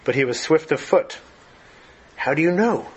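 A man's voice: fairly high pitch, expressive, normal speed, slightly rough, muffled recording, voice pushed up. A man voicing a scared pleading boy. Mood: frightened. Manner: pleading and fearful, raised voice. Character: frightened young boy, anxious and pleading. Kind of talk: reading a story aloud.

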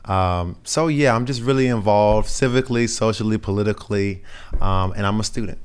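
A young man with a raspy voice from a sinus infection, talking earnestly and carefully as an interview guest, with frequent fillers and restarts. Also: lowish voice, a little fast. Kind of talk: casual conversational interview.

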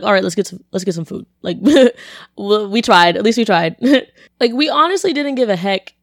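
A young woman, a college student, telling a story in casual chat, her voice deeper than usual and a bit congested, with lots of "like" and acted-out quotes. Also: no room sound, clean studio sound. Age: young adult. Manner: chatty, animated, lots of "like", acts out quotes.

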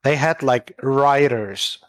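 A man in a casual podcast chat argues back at an easy, drawn-out pace. His voice sits at a middle pitch. The sound is dry and close. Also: no room sound.

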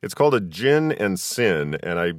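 A man's voice: low-pitched, very animated, normal speed, dry recording, clean studio sound. A middle-aged American man hosting a casual conversational interview. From Southern California, US. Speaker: podcast host.

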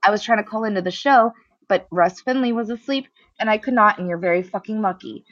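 A woman's voice: mid-range voice, quick pace, fairly bright tone, dry recording. A woman co-host talks bluntly, scolding and cursing freely. Her voice sits mid-range. The sound is dry and a little muffled, lo-fi. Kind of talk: casual call-in show banter. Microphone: earbuds in, remote mic.

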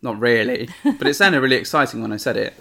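A man's voice: mid-range voice, expressive, fast talker, gravelly, pushed and bright. Joking man co-hosting a podcast. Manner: joking, rambling, laughs mid-sentence. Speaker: podcast co-host. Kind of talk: casual banter.

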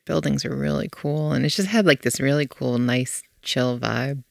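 Brief: female podcast co-host, gravelly lower voice, playful and teasing, dry sound. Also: normal speed, dry recording. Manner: teasing, laughs easily. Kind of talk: casual chat.

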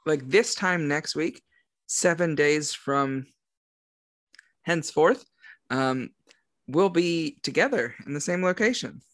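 A young man co-hosting a podcast, joking through quick, casual banter over a call. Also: on the high side, animated, fairly bright tone, no echo. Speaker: podcast co-host. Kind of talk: casual chat.

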